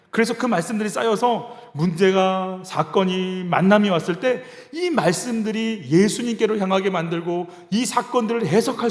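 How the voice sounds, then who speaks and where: A male pastor giving a sermon in a conversational style, sometimes acting out quoted voices. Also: high-pitched. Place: church sanctuary. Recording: reverberant church hall.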